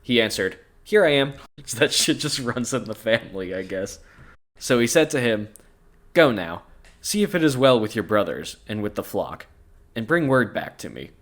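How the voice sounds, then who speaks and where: A man's voice: on the low side, fairly bright tone. A man co-hosting a podcast, reading scripture aloud and breaking off into crude jokes and frequent laughter. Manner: laughs often, crude and joking. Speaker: podcast co-host.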